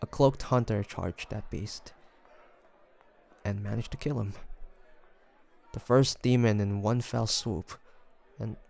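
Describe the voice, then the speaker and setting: Man acting a halting, gravelly young demon hunter. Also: on the low side, darkish tone, a little hiss or hum. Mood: pained, sorrowful. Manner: hesitant, halting, stammering. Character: young male demon hunter, flustered, haunted by childhood loss. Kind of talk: scripted audio roleplay monologue.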